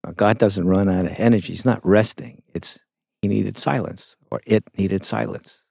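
Middle-aged guy, low gravelly voice, slow reflective storytelling, dry close mic. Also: steady tone, dark tone, dry recording. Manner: reflective, unhurried, with frequent fillers. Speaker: interview guest, songwriter. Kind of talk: conversational interview storytelling.

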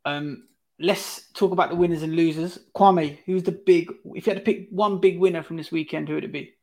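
A man's voice: fairly high pitch, fairly even intonation, a little fast, a little mellow. A man hosting a casual podcast, teasing the panel and steering the talk with questions. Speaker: podcast host. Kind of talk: casual chat.

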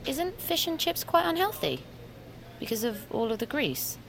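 A woman playing a nervous, eager-to-please young woman who squeals when excited. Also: high voice, moderate pace, vocal fry, exaggerated voice, low-quality recording.

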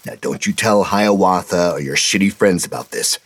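A man voicing a crude, foul-mouthed older scout leader with a gruff, low voice. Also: moderate pace.

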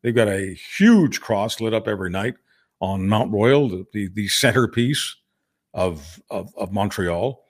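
Older Hungarian-born man, earnest and deliberate. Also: on the low side, expressive. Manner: earnest, repetitive restarts. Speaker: podcast co-host. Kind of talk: casual political discussion.

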